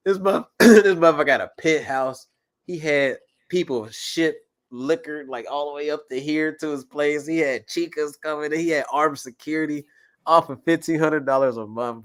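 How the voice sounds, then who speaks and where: A man from the United States chatting casually as a co-host, telling stories in an animated, profane way. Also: medium pitch. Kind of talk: casual chat.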